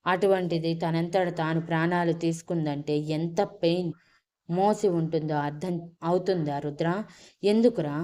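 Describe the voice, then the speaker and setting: A man's voice: fairly high pitch, clean tone, close to an everyday voice. Woman voicing a furious weeping young man. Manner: shouting through tears, choked. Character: grief-stricken young man, furious at a friend.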